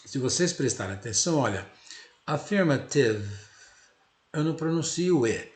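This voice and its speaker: A man with a Brazilian Portuguese accent who teaches English step by step. He drills the words slowly and often checks in with the class. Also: mid-range voice, expressive, reverberant. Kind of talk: classroom lesson.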